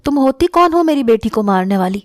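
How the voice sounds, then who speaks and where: A woman's voice: fairly high pitch, animated, no echo, studio quality, close to an everyday voice. A woman voicing a cruel, scheming middle-aged aunt who speaks in a harsh, taunting way in a spoken story.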